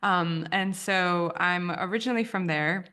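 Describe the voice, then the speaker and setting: A woman in her thirties, raised in the US after a childhood in Romania, whose first language is Romanian. Her voice sits a little low, and she talks reflectively, circling back and rephrasing as she goes. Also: unhurried, pushed and bright, clear, resonant tone. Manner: thoughtful, repeats and restarts phrases. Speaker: guest, branding editor. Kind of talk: reflective podcast interview.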